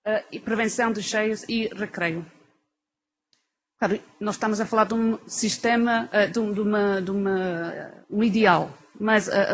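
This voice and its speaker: A woman's voice: medium pitch, a little hiss or hum. A woman from England giving an academic talk with an English accent in her non-native Portuguese, hesitating as she searches for words. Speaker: researcher giving a lecture.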